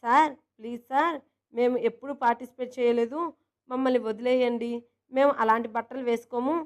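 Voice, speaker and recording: A woman's voice: on the high side, fairly even intonation, brisk, lo-fi sound, close to an everyday voice. A woman voicing a young female coworker who teases her best friend fondly. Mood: coaxing. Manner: teasing, fond.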